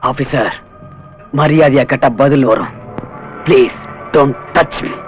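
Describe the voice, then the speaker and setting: An actor playing a restrained young police officer who speaks slowly and firmly, switching into English. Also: mid-range voice, lightly acted. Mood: defiant. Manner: slow, firm, switching to English. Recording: film soundtrack with clear music.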